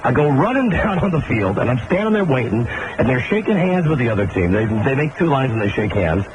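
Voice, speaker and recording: A middle-aged man, a radio host, telling a long story and getting animated, with laughs and shouts at the high points. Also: brisk. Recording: dull old radio broadcast tape with hiss.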